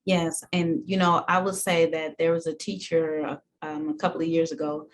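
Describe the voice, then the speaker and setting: Low-voiced woman presenting a webinar. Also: level tone, slight background noise. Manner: halting, frequent ums.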